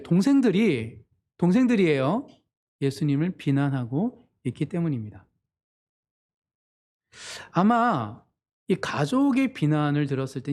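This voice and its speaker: Earnest Korean pastor, slightly high voice. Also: male voice, dark tone. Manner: earnest preaching, voices quoted family members with sudden pitch jumps. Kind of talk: sermon.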